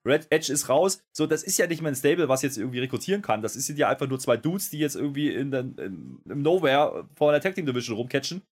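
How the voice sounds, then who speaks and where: Animated, fast-talking man on a podcast. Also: mid-range voice, slightly rough. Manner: animated, rambling rants. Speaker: wrestling podcast co-host. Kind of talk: casual podcast chat.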